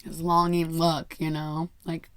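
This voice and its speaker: A hoarse woman who has nearly lost her voice gives a chatty daily tarot reading into a microphone, laughing often. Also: deep voice, monotone, a little slow, dry recording. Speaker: tarot reader.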